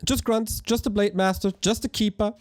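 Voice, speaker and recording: A man with a hoarse voice, casting a live strategy game match in an energetic, chatty way while thanking viewers. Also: high voice, normal speed, soft background music. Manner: energetic, chatty, talks to chat. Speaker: esports caster. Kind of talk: live game commentary with chat shout-outs.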